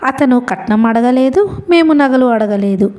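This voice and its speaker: Firm proud mother, put on by a woman narrator, mellow and curt. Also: high-pitched, animated, a little slow. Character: dignified middle-aged mother, firm and proud.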